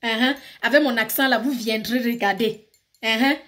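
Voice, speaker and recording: A woman's voice: on the high side, fairly even intonation, moderate pace, fairly bright tone. A woman with a Cameroonian accent, ranting passionately in a casual vlog and switching between French and English. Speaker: YouTuber. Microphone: phone.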